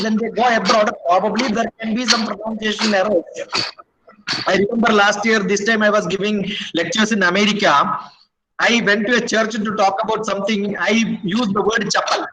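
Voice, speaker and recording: A man's voice: high-pitched, bright, forceful tone, rough recording. A man with a Kerala Indian English accent, a native Malayalam speaker, giving a webinar lecture over a video call. He tells rambling anecdotes and keeps checking in with his listeners. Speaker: guest speaker.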